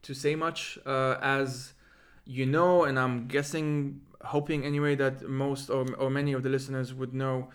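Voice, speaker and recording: A man's voice: mid-range voice, level tone, moderate pace. Man with rolled R's, thinking aloud. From Lebanon. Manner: discursive, circling through asides. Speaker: podcast host and interviewer. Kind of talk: reflective conversational interview talk.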